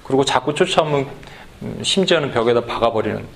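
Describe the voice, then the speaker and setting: Korean pastor telling a story animatedly. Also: male voice, mid-range voice, fast, creaky, slight background noise. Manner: animated storytelling, acts out voices, then leads sung worship. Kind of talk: sermon with acted skit retelling. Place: church sanctuary.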